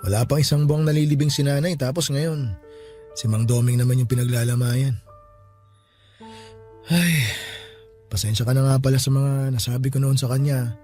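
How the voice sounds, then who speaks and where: A man's voice: mid-range voice, steady tone, normal speed, long pauses, warm tone, lightly acted. An actor playing a superstitious young man at a wake in a radio drama. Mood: somber. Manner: casual, superstitious talk. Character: young man friend at a wake, jumpy, sees spirits. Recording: faint music under the voice.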